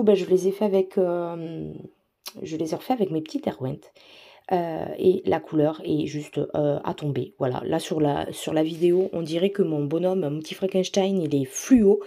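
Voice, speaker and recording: A woman's voice: sits low, mellow. A woman narrating a casual voice-over craft tutorial, chatty and enthusiastic, with many fillers and restarts. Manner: self-deprecating, enthusiastic about materials. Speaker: craft video host. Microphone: voice-over mic.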